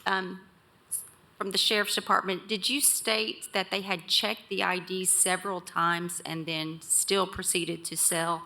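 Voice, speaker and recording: A woman, a county commissioner, asking polite, brisk questions at a hearing. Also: on the low side, level tone, gravelly, sharp tone. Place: county board meeting room.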